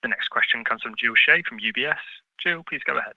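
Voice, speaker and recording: A man's voice: mid-range voice, fast talker, creaky, no echo. A man working as a conference call operator, formally announcing the next caller. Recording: dull, dry phone-call audio.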